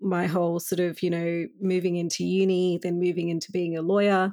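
Her medium-pitched voice carries an Australian accent as the woman speaks at a moderate pace. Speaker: lawyer and diversity advocate. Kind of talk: interview.

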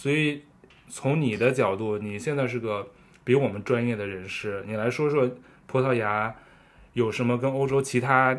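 A man's unremarkable speaking voice, medium in pitch, at a moderate pace with fairly even intonation. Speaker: podcast host. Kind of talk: casual chat interview. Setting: recorded at a friend's home in Lisbon.

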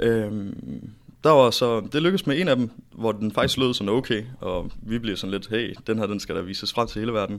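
This man has an ordinary speaking voice at a medium pitch, with ordinary pitch variation and a moderate pace. The recording is very clean, with a silent background. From Denmark, Viborg area (central Jutland). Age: 20s. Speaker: startup founder and CEO. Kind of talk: casual interview.

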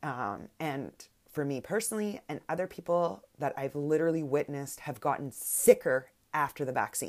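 The speaker talks at a moderate pace with lively intonation in a Western Canadian accent. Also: woman, very deep, low pitch for a woman. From British Columbia, Canada. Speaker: podcast host. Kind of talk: solo podcast monologue.

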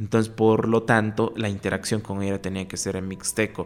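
A man at a moderate pace, with monotone, flat intonation. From Mexico, Oaxaca (Mixtec town). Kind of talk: interview.

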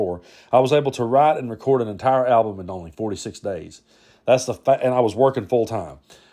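Against a quiet background, a man with a dark, mellow tone and a medium pitch talks at a very fast pace. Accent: Appalachian. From Southeast Kentucky. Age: 40s. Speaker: podcast host and social commentator, former musician. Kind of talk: casual monologue, personal storytelling. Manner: casual, filler-heavy, conversational.

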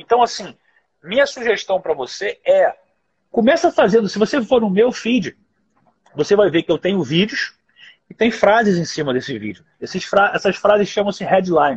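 A man's high-pitched voice at a moderate pace, with very wide pitch swings and long, frequent pauses. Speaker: business mentor. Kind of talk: live stream mentoring. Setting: live video stream. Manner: animated.

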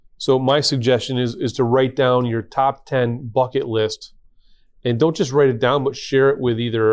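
A man's plain, everyday voice, medium in pitch. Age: 40s. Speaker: podcast co-host and company co-founder. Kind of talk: casual chat. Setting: studio.

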